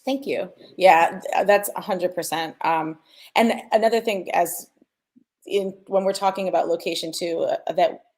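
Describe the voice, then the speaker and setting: Low-pitched, creaky-voiced woman explaining casually. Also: steady tone, unhurried, darkish tone. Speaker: sound designer and panelist. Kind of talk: casual explanatory panel talk.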